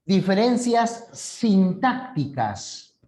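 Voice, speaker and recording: A man's voice: high-pitched, very animated, drawn-out words, a little mellow. A man with a Peruvian coastal accent giving a video lesson, explaining conversationally and checking in with his listeners often. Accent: Peruvian coastal Spanish. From Peru. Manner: conversational, frequent "¿no?" tags, acts out examples. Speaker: teacher.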